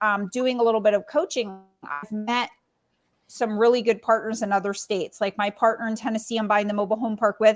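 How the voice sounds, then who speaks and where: A woman talks in an ordinary speaking voice, her pitch fairly high and her pitch variation ordinary. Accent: American. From Pennsylvania. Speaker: real estate investor. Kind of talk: interview. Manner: casual, filler-heavy.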